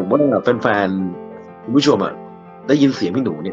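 Clear music plays in the background as a man talks with lively intonation and big swings in loudness. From Thailand. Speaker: commercial voice-over announcer, TikTok creator. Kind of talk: casual interview answer. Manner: relaxed, conversational. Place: home room. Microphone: video call.

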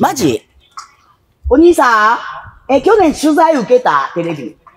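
This woman's voice sits high and swings very widely in pitch. She speaks with a Kansai accent. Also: fairly slow pace. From Fukui, Japan. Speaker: jazz singer, street musician. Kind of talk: interview answer. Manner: casual, candid.

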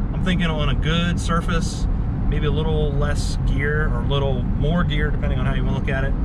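Fairly quick speech in a dry sound with no echo, under loud background noise. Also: man. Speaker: kart hobbyist vlogger. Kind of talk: casual vlog chat. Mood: relaxed, satisfied. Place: car. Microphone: phone near.

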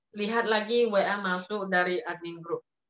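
A woman speaking at a moderate pace with fairly even intonation, audible room echo and a quiet background. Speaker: environmental foundation founder. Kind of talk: casual talk. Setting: video call. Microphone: video call.

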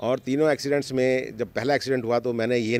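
A man at a medium pitch and a moderate pace, dry sound with no echo. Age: 60s. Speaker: travel adventurer. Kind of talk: interview. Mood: calm, positive. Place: street. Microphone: handheld.

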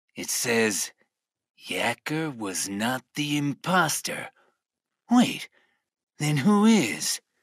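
A cartoonish character voice sits at a low-to-middle pitch with very wide pitch swings. Delivery is very slow with long, frequent pauses on a very clean recording with a silent background. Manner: serious, brooding.

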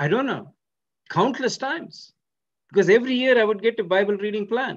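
At a fairly quick pace, a man speaks against a quiet background. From India. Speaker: church elder, preacher. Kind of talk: sermon. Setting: video call. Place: home room. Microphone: video call.

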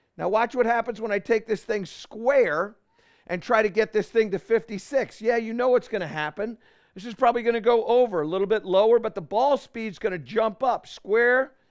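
Over a quiet background, a man speaks. His pitch is high. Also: ordinary pitch variation, moderate pace. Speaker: golf instructor. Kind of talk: tutorial. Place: studio. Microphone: headset.

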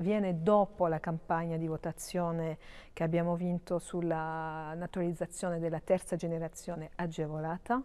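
This woman has a dark, mellow tone and a fairly low pitch. She speaks with a French accent. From Vaud, French-speaking Switzerland. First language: French (speaking Italian). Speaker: politician. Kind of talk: interview. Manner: halting. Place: hall.

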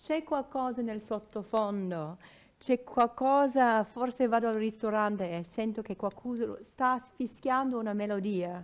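Against a quiet background, a woman with an American accent speaks at a very slow pace with ordinary pitch variation. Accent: American accent in Italian. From California. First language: English (speaking Italian). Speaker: opera singer; interviewee. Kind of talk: interview. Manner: halting. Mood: warm, reflective, animated. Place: home room.

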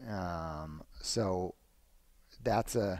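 This is a man speaking with an American accent. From Cape Cod, Massachusetts, US. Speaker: professional snowboarder and climate activist. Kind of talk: casual interview chat.

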